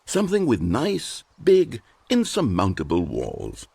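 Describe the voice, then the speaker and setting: A man's voice: fairly low pitch, wildly swooping pitch, unhurried, creaky, a little mellow, husky, heavily acted. A synthetic male voice playing a smug, dramatic game narrator, pompous and sardonic. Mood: panicked. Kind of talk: theatrical narration.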